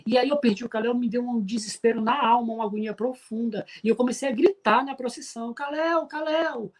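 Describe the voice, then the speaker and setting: A middle-aged man from Pará, Brazil, with a regional accent, giving an emphatic, preacher-like spiritist talk with frequent filler pauses. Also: extremely high pitch, fairly even intonation, low-quality recording. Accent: Brazilian Portuguese from Pará. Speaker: spiritist speaker.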